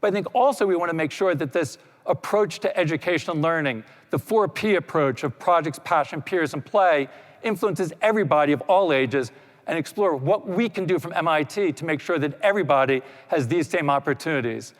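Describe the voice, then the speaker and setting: A man's voice: on the high side, brisk. Man giving a talk in an echoey hall. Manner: relaxed explaining with many "you know" asides. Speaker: panel speaker. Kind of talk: conference talk. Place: lecture hall.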